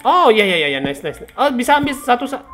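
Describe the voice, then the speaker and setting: A young woman giving casual let's-play commentary, chatty, repeating words in quick bursts and often addressing her viewers. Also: fairly high pitch, big pitch swings, a bit bright, faint music behind. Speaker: gaming channel host.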